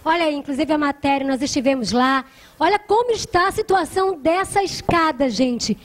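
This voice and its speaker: Woman, Brazilian accent, high voice, TV talk show host, chatty. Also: brisk. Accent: Brazilian Portuguese. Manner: chatty, makes appeals to viewers. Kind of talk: live TV talk show hosting.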